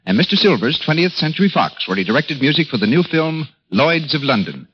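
A male announcer speaking in a crisp, formal 1930s network-radio style, pitched a little high and moving fast. His voice rises and falls a lot, with a faint hiss behind it. It has the sound of an old radio broadcast. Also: big pitch swings, fairly bright tone, rough recording.

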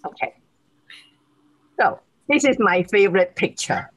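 A woman in her sixties with a Malaysian accent, speaking as a guest on a video call, warm and grateful, often laughing. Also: mid-range voice, expressive, a little slow, highs cut off. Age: 60s.

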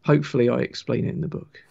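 Male, Wiltshire twang, gravelly creak, informal explainer, slightly muffled lo-fi call sound. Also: mid-range voice, steady tone, fast, mellow. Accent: Wiltshire, English West Country. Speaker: guest author of a railway engineering book. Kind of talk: casual technical explanation on a livestream.

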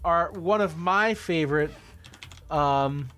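Man, podcast co-host, deadpan sarcastic replies, easygoing chat, voice a touch high. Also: takes it slowly, faint music behind. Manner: dry, sarcastic comebacks. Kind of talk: casual comedic chat.

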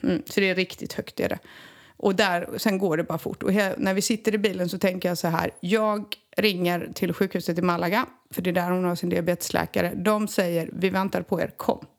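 A woman from Sweden recounting a personal story in casual conversation, animated and acting out the people she quotes. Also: lowish voice. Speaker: guest telling a personal story.

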